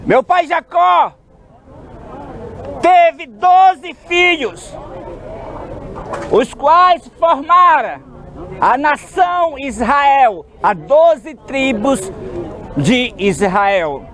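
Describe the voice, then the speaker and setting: A man with a Brazilian Portuguese accent preaches outdoors on a city street. His voice sits very high and swings widely up and down as he lingers over each phrase, now and then bursting into a shout. A faint crowd murmurs behind him. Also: animated, rough recording. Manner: slow, emphatic delivery with sudden shouted stresses. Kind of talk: preaching sermon.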